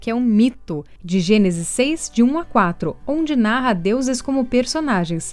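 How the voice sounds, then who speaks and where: Music plays in the background as a woman speaks at a moderate pace. Her fairly high pitch moves with lively intonation. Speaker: voice-over artist. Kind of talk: Bible study narration.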